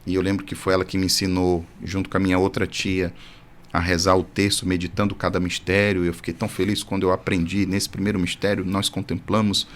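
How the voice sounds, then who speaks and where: Man, priest, podcast guest, from Brazil, earnest lively storytelling, lowish voice, studio mic, faint background noise. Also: fairly quick. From Brazil, born in Salvador. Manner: earnest, animated storytelling with light humor. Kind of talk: testimony in casual conversation.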